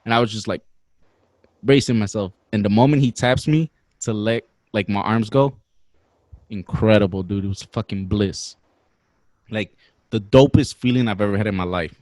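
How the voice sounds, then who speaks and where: A young man in his twenties telling a long story in a slangy, animated way, swearing as he goes. His voice sits a little low, and the recording is dry and close. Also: normal speed, long pauses, dry recording. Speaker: podcast guest. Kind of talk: casual storytelling.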